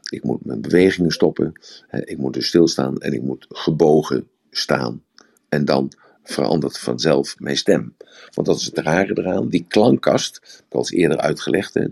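A man's voice: extremely low pitch, vocal fry, darkish tone, slightly rough. A man giving a rambling, explanatory talk on communication in a live audio room, often repeating words. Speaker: speaker on communication.

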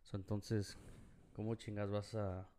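A man's voice: on the low side, level tone, takes it slowly, dark tone, a little hiss or hum. A man from Los Angeles with a Mexican-American accent in Spanish, bantering casually in slang and often repeating his phrases. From Los Angeles, United States. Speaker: podcast co-host.

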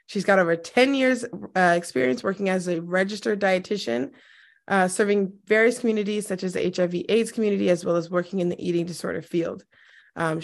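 Hoarse scratchy-voiced woman podcast host. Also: mid-range voice. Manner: laughs often, self-deprecating. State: hoarse, lost voice. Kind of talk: casual podcast interview.

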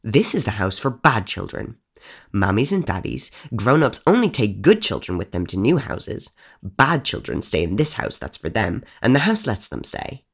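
A man's voice: on the low side, very animated, moderate pace, vocal fry, breathy edge, exaggerated voice. A man voicing a wicked little ghost girl in a bedsheet, speaking in a bossy, coaxing way in a storybook reading. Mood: cooing.

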